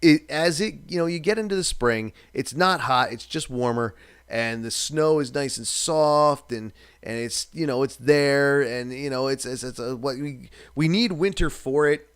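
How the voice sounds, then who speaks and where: A man's voice: medium pitch, measured pace, smooth, no echo, clean studio sound. A man in his thirties from New England, hosting a live stream in casual, rambling chat, swearing now and then and reading viewer comments aloud.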